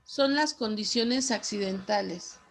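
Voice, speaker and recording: A woman teacher dictating a lesson to students, repeating phrases in a slow, deliberate way. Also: mid-range voice.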